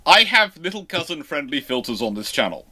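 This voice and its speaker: A man hosting an informal live question-and-answer stream, explaining in a rambling, halting way with repeated false starts. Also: a little high, sing-song, sharp tone. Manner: over-careful emphasis on some words. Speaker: host of live naval history Q&A stream.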